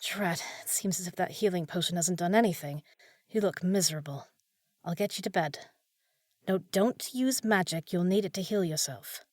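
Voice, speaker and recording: A woman's voice: on the low side, normal speed, darkish tone, no echo, studio quality, close to an everyday voice. A woman playing a short, fussy young village housekeeper in a fantasy audio roleplay, proper and easily flustered, scolding yet caring. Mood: worried, caring. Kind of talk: scripted fantasy audio roleplay, spoken to listener.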